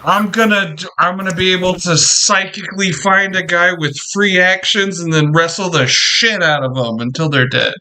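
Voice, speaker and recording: A man playing in a tabletop game, excitable and swearing freely as he chats and laughs with the group. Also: sits high, normal speed, hardly any pauses, smooth. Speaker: player. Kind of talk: casual tabletop game chat.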